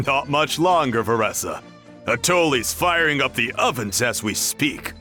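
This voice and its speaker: Lively, genial tribal guardian. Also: male voice, mid-range voice, unhurried, faint music behind. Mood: friendly. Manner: genial, earnest. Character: friendly, earnest male tribal guardian. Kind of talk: video game character acting.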